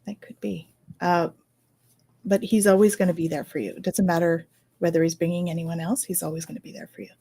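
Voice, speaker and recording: A woman's voice: fairly low pitch, fairly even intonation, fast talker, dark tone, husky. A woman, a spiritual medium reading cards, talks in a casual podcast chat, reassuring and checking in with "okay?". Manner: chatty, reassuring, lots of "okay?". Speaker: spiritual medium and card reader.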